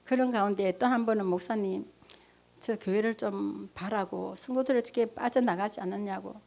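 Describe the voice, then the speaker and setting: A woman's voice: mid-range voice, moderate pace, creaky, warm tone. A middle-aged woman, a pastor's wife, giving an emotional sermon testimony and acting out her own prayers and conversations.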